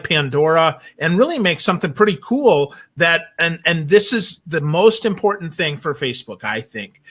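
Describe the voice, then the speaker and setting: A man's voice: on the high side, sharp tone. A man giving emphatic, opinionated commentary in a casual talk show discussion, speaking conversationally as a guest. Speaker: guest commentator on social media marketing.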